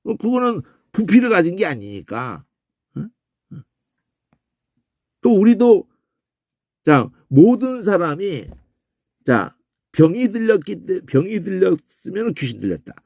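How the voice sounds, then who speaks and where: Male Bible teacher, animated lecture delivery, swoops in pitch, keeps asking "eh?". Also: measured pace, long pauses, dry recording, clean studio sound. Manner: animated, peppers talk with questioning "eh?", imitates crow cries and shouts. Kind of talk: Bible word-study lecture.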